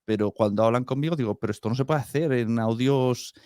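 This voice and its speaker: A man's voice: mid-range voice, fast, mellow, clear, resonant tone, no room sound, studio quality. A man with an accent from Spain, talking casually in an interview conversation about his own working experience. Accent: Spain Spanish.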